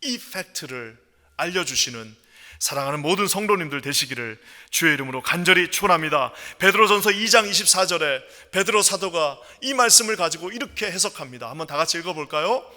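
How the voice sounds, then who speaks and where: A male pastor preaching a sermon with passion, moving between quiet storytelling and loud, ringing proclamation. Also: on the high side, animated, fairly quick, long reverb tail. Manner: impassioned, swings from hushed storytelling to loud proclamation. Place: church sanctuary.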